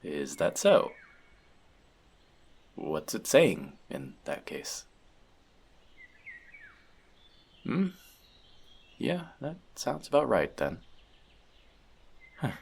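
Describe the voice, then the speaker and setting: Elf magic mentor male actor for fantasy audio drama: gentle and teasing, gravelly, very expressive intonation. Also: on the low side, exaggerated voice. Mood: wry, teasing. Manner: conversational, teasing, reflective. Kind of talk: fantasy audio roleplay addressed to the listener.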